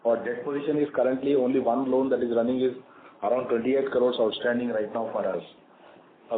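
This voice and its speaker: Indian-accented executive on an echoey phone line. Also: male voice, medium pitch. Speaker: company executive answering investor questions. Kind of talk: earnings call answers. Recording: phone-like conference line, echoey, clearly noisy.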